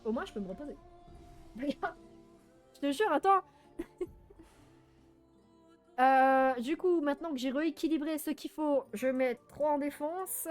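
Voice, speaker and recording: A woman giving casual, animated live commentary while playing a video game, with a playful, teasing, mock-boastful manner. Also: high-pitched. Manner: animated, frequent laughing and exclaiming. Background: game music.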